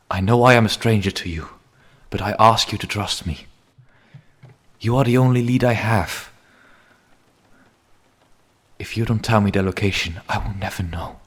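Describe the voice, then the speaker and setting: A man playing a grim, menacing vampire hunter in an ASMR roleplay, speaking slowly and solemnly in a husky voice that often sinks into a whisper. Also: fairly low pitch, a bit bright. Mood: earnest pleading. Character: grim male vampire hunter, menacing yet pleading captor. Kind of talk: ASMR roleplay, dramatic monologue.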